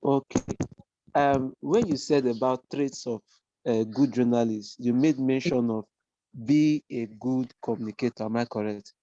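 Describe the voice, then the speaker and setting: A male trainee asks a halting, hesitant question to his teacher. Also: medium pitch, dark tone, no echo. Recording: dull lo-fi audio.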